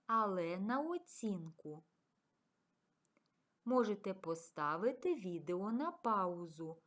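A woman teacher giving a recorded video lesson to schoolchildren, dictating example words slowly and deliberately. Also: medium pitch, a bit bright. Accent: Ukrainian.

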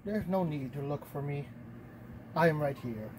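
A talking black cat, aloof and a little grand, put on by a game master. He speaks low and mock-solemn, rising and falling in a lively way. Faint ambience sits behind him. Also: moderate pace, a little hiss or hum, lightly acted, poor audio. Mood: smug.

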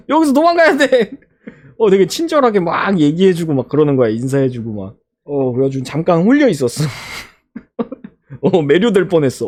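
A man streamer giving a casual vlog recap over his photos, animated and laughing often, piling up fillers and exclamations. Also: a little high.

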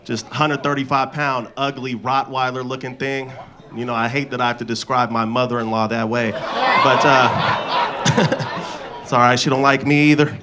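A stand-up comic in his thirties works a live club audience with a handheld mic, spinning crude, slangy stories as laughter rolls in. His medium-pitched voice keeps a fairly even intonation at a normal pace, though the recording is very noisy.

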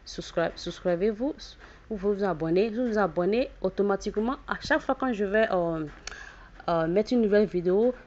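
A woman with a West African accent in French, casually addressing her channel's viewers in a halting, repetitive way with frequent false starts. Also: mid-range voice, a little mellow. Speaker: YouTube channel host. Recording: dull lo-fi voice recording.

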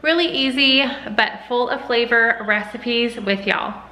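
A woman's voice: a little high, unhurried, music in the background. A young woman hosting a casual cooking vlog from her home kitchen, talking to viewers in a chatty, upbeat way. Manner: chatty, upbeat, addresses viewers as y'all and guys. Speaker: cooking vlogger. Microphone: camera at close range.

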